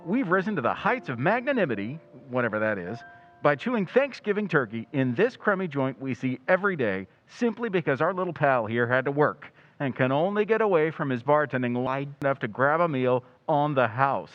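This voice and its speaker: A man plays a grumbling, wisecracking press photographer in an old-time radio drama. He swings widely in pitch, mixing slang with mock-grand phrases. The sound is slightly muffled. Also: sing-song, brisk, soft background music, lightly acted. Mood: wry, joking.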